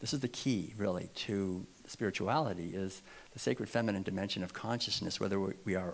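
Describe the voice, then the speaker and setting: A man's normal speaking voice, fairly low in pitch, with ordinary pitch variation and a fairly quick pace. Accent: American. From Massachusetts (Concord), US New England. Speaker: spiritual author and lecturer. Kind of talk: sermon. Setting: church service live stream.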